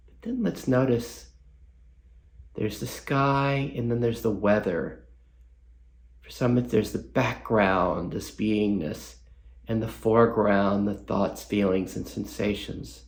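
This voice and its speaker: A man guides a meditation in a slow, soft, unhurried voice, leaving long pauses between gentle questions. His mid-pitched voice has a gravelly rasp. The sound is roomy, with echo around him. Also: steady tone. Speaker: meditation teacher.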